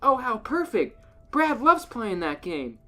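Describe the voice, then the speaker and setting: Sweet, gushing teen robot girl for a comic story reading, played by a man; high, swooping voice, music underneath. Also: big pitch swings, slow pace, pushed and bright, heavily acted. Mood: bright, gushing. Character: sweet, cheerful teenage robot girl, trusting.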